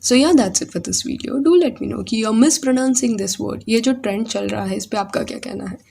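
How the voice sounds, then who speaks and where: A woman's voice: on the high side, measured pace, vocal fry, darkish tone, husky. A woman talking to her viewers in a casual commentary, giving advice and asking them to follow and subscribe. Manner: talks straight to viewers, gives advice, asks them to subscribe. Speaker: vlogger. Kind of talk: casual commentary in Hindi-English mix.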